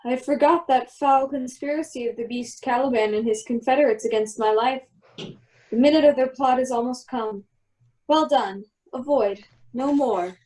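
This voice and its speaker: Woman doing a commanding wizard duke, quite high voice, formal old verse, radio play style. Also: normal speed, a little mellow, lightly acted, low-quality recording. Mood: troubled. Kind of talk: Shakespeare performed as a radio play.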